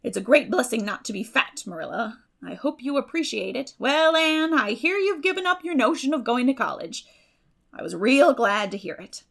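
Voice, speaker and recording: A woman's voice: fairly high pitch, lively intonation, normal speed, creaky, fairly bright tone, voice pushed up, exaggerated voice. A woman voicing a stout, opinionated older village woman in an audiobook drama, blunt, folksy and emphatic. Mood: blunt, weary. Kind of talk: dramatic audiobook reading of a classic novel.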